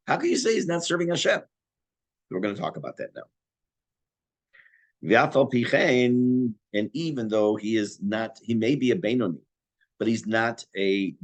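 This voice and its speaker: Older rabbi guy losing his voice, low and raspy, chatty jokey way of teaching. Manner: conversational, self-deprecating, with frequent throat clearing. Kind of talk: Torah class, explaining text.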